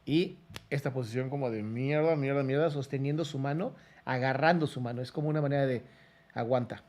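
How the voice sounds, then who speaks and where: A man with a Mexican accent, a psychologist giving casual, animated commentary on a recording and imitating what others say. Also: medium pitch, a little fast. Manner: animated, mimics voices when quoting; colloquial and frank, with some swearing. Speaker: psychologist reacting to trial footage.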